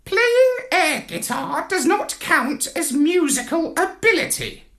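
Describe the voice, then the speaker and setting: A man's voice: very high-pitched, big pitch swings, slow pace, fairly bright tone, pitched above the performer's own voice, heavily acted. A man voicing a bossy, brainy male parrot who talks down to others in a storybook reading. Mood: haughty. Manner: lofty, superior.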